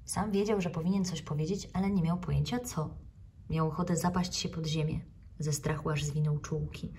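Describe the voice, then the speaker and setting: Calm woman reading a children's story. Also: low voice, distant mic, slight background noise. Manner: calm, measured, clear. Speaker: actress reading a children's book.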